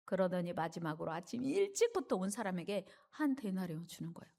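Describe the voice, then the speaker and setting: A woman's voice: fairly low pitch, big pitch swings, fairly quick, gravelly, warm tone. A woman pastor preaching a sermon in a church, telling a parable vividly and leading the congregation in reading. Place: church sanctuary.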